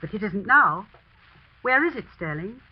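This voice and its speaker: An actress playing a shrewd, sardonic young woman amateur detective in a 1940s radio mystery drama, talking in a dry, sharp, accusing way. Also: mid-range voice, expressive, moderate pace, slightly rough. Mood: pressing. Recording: dull lo-fi 1940s radio broadcast.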